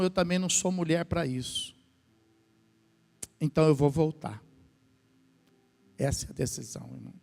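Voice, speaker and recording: Brazilian male pastor, high voice, lively sermon with questions to the flock, long hall echo. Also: gravelly. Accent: Brazilian Portuguese. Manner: asks the congregation questions, acts out quoted voices. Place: church hall. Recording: long church reverb.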